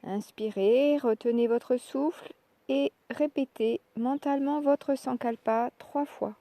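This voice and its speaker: Woman, fairly high pitch, very slow, calm guided meditation, short measured phrases, close dry sound. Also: no room sound. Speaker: yoga nidra relaxation instructor. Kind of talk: guided meditation, soft instructional narration.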